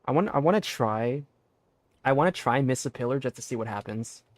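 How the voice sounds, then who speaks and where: A man's voice: medium pitch, lively intonation, fairly quick, no room sound. A man giving casual live commentary as a game streamer.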